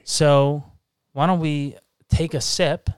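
A man's voice: on the high side, fairly even intonation, slow, clear, resonant tone, no room sound, clean studio sound. A man in his thirties from Massachusetts, co-hosting a casual podcast chat over beers, joking and teasing with a laugh. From Massachusetts, USA. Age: 30s. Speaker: podcast co-host.

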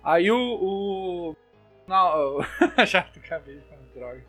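A man's voice: sits high, animated, takes it slowly, bright, forceful tone, soft background music. A young Brazilian man with a Brazilian Portuguese accent chats casually, telling spooky stories with many restarts and fillers. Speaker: storyteller.

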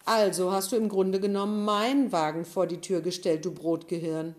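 A smug, menacing schoolboy bully, as a woman reading aloud puts him on, pitched a little above her low voice and pushed louder. He sounds boastful and sure of himself. It is a storybook voice. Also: fairly even intonation, moderate pace, natural voice. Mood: smug threatening.

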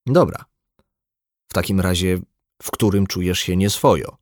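A man voicing a blunt, embittered, drunk male doctor in an audiobook, gruff and lecturing. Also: low-pitched, a little slow, no room sound, clean studio sound. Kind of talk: audiobook dialogue.

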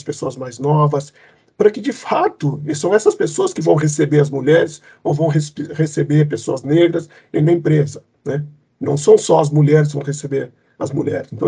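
A man's voice: fairly high pitch, mellow, breathy edge. A man from Cape Verde, a company leader, answering interview questions thoughtfully, with many fillers and restarts. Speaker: company executive, guest.

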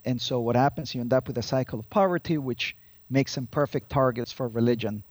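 Higher-pitched man in his fifties, lo-fi. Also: fairly quick, dry recording. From Colombia. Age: 50s. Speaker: interview guest, advocacy group spokesman. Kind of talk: conversational interview answers. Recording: dull lo-fi audio with music.

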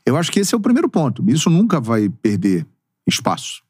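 Lively, swooping sports narrator man, dry sound. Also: a little high, brisk, breathy edge, dry recording. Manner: expressive storyteller with emphatic, swooping delivery; relaxed, talkative, drops casual slang. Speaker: sports narrator and podcast guest. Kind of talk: casual interview chat.

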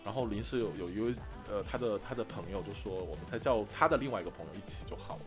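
Fast-talking animated man from Sichuan. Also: lowish voice, over music. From Sichuan, China. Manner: animated, laughs often while telling. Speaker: podcast co-host. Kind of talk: casual chat, storytelling.

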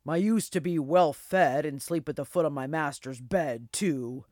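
A woman voicing a weary, toothless old male dog in a children's storybook, slow, sighing and grumbling. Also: low voice, a little mellow, no echo, clean studio sound. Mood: weary, sad.

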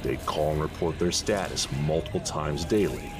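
An actor playing a gruff, pious deputy marshal in an audio drama, talking in a dry, folksy, deliberate storyteller's way. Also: male voice, very deep voice, music in the background. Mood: measured storytelling.

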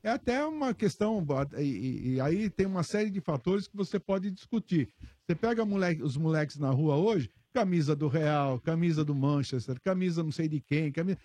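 A man with a husky voice hosting a casual radio chat. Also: fairly high pitch, expressive, fairly quick, mellow, no echo. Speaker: host.

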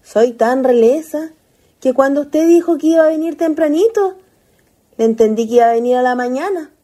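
A woman's voice: sits high, normal speed, mellow, close to an everyday voice. A woman acting a naive, affectionate young country ghost in a radio drama, with a Chilean accent and folksy, coaxing speech. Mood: chatty, expectant.

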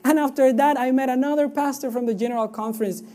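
Mellow-voiced woman preaching, higher pitched. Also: fast. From Cuba. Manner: emphatic, rhetorical questions and repetition, teaching step by step. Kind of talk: sermon.

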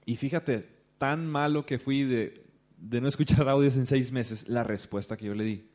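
A man's voice: mid-range voice, normal speed. A man with a Mexican accent gives a business talk to an audience, telling a story and acting out the people in it. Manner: animated, acts out the people he quotes. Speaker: business speaker.

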